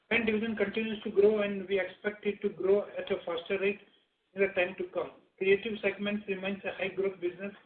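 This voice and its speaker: A man with an Indian accent giving prepared opening remarks on an earnings call as managing director. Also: high-pitched. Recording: echoey, phone-like conference line.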